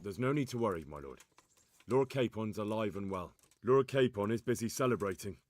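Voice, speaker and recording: A man's voice: lowish voice, animated, brisk, a little mellow, no echo. An actor playing a dutiful young squire in a game, reporting news to his lord.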